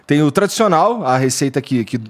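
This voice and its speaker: A man's voice: on the high side, expressive, a little fast. A Brazilian man hosting a casual podcast, chatty and upbeat as he reads sponsor plugs. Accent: Brazilian Portuguese. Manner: chatty, upbeat, filler-heavy. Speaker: podcast host.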